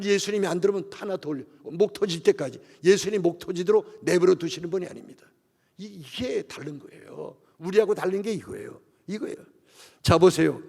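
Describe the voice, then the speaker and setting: Male pastor, high gravelly voice, impassioned sermon, long church reverb. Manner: impassioned preaching, swings from loud cries to hushed lines. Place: church sanctuary.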